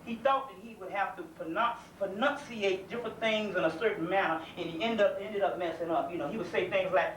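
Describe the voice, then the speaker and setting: A man's voice: high voice, fast talker, hardly any pauses, a bit bright. A man from South Carolina with a Southern accent, giving a folksy, earnest community lecture in a conversational way. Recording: echoey room, mic far off, faint hiss.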